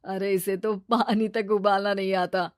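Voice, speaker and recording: A woman voicing a calm, teasing young man in a cartoon story, speaking in a joking, easygoing way. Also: mid-range voice, measured pace, no room sound, studio quality, natural voice. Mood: mocking.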